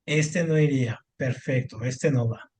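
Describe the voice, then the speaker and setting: A man tutoring over a video call, speaking in a patient, encouraging way. He fills his explanations with little fillers and checks in with the student often. His pitch sits at an ordinary middle height for a man. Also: measured pace, darkish tone. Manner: patient, encouraging, many fillers like este and ujú. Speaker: Spanish teacher. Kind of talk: online tutoring lesson over screen share.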